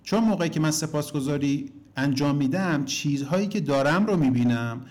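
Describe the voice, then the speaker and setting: Emphatic male relationship coach lecturing. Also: a little mellow. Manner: emphatic, swings pitch up and down for emphasis; addresses listeners directly as "kids". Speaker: relationship coach teaching a course. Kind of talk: lecture to course students.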